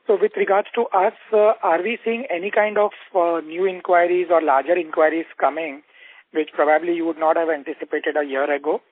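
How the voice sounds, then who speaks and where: A man's voice: a little high, fairly even intonation, brisk, no echo. A man with an Indian accent asking questions as an analyst on an earnings call, polite, wordy and hesitant. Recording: dry narrow telephone line.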